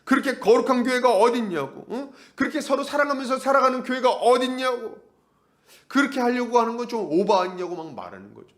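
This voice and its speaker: A man's voice: extremely high pitch, very animated, quick pace, a bit bright. A male pastor preaching an expository sermon, throwing rhetorical questions at the congregation and acting out the voices he quotes.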